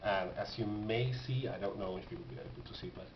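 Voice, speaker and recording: A male record collector presents his finds in casual, unscripted show-and-tell, speaking in a lowish voice with a halting, pausing, thoughtful delivery. The home recording sounds dull and echoey, with clear noise.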